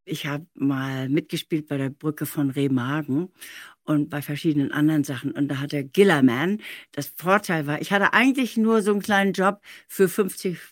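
A woman's voice: low voice, normal speed, dry recording. Older woman reminiscing, close dry sound. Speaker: interview guest. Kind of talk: casual anecdotal chat.

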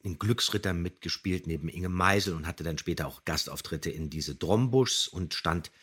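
A man's voice: low voice, moderate pace, a bit bright, breathy edge. A man hosting a podcast, chatting about an audio drama in a hesitant, searching way. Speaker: podcast host.

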